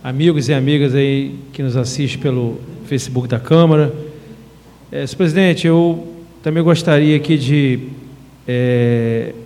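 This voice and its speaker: A man's voice: medium pitch, unhurried, warm tone, in a large hall, slight background noise. A man in his fifties, a city councilman giving a formal speech with many fillers and an earnest tone. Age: 50s. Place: council chamber.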